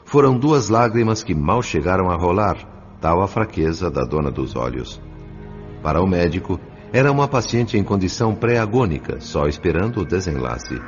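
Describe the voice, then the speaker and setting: A Brazilian man narrates an audio drama in a low, solemn voice. His delivery is measured and scripted, over faint music in a slightly muffled recording.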